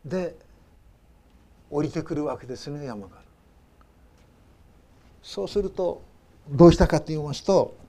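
A male pastor preaching a Sunday sermon in a storytelling way, acting out the cries of the people he tells about and dropping to soft low asides at the ends of phrases.

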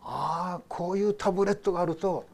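An older male pastor preaching a sermon with a fairly high voice. He talks in a loose, conversational way, telling stories and putting questions to his listeners. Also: a little fast, darkish tone. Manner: conversational storytelling with rhetorical questions.

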